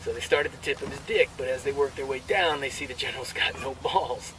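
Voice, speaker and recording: A man's voice: mid-range voice, a bit bright, slight background noise, natural voice. Brash male soldier for a video game, played by a male actor: crude, cocky storyteller, slightly distant, over faint vehicle ambience. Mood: cocky, joking. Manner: crude, swaggering, drawn-out punchline delivery. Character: brash, crude male army soldier cracking off-duty jokes. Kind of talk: military banter, performed joke storytelling.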